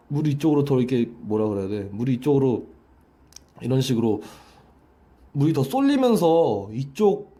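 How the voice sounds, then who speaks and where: A man's voice: mid-range voice, warm tone. A man teaching a voice lesson, explaining breath pressure with a hose demonstration, often repeating and restarting his phrases. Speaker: vocal coach.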